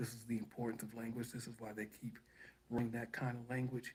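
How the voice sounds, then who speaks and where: A man is whispering. His voice is somewhat breathy. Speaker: live streamer. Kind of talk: casual live stream chat. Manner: halting, repetitive.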